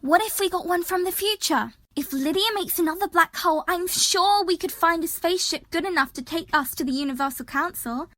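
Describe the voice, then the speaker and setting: A woman's voice: sits high, sharp tone, dry recording. A woman playing an exasperated, sceptical young woman in an audio drama, sarcastic and matter-of-fact.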